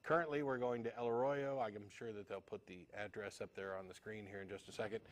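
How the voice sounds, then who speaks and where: Low-voiced man hosting a call-in show. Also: steady tone, quick pace. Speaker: co-host.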